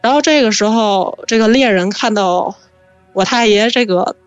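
A woman telling a spooky family story in a lively, chatty way, drawing out her fillers. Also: mid-range voice, moderate pace, no room sound, highs cut off, soft background music. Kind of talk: casual spoken storytelling.

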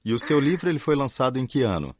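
A man hosting a radio interview, asking questions calmly and in a measured way, then closing the segment. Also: mid-range voice, slightly rough, no echo, dull audio. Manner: calm, measured, short prompts. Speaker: radio host.

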